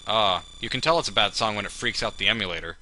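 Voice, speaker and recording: A man's voice: fairly low pitch, quick pace, sharp tone, faint music behind, low-quality recording. A man giving humorous commentary on a video game in a wry, sarcastic manner with exaggerated reactions. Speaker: let's play host.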